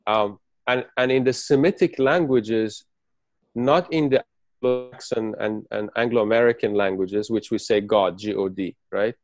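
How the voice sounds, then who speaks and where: A man from Persia, raised in the Emirates and speaking Farsi as his first language, gives a halting spoken account with many restarts as an interview guest on a video call. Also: on the low side, a little mellow, no echo. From Persian, raised in the UAE.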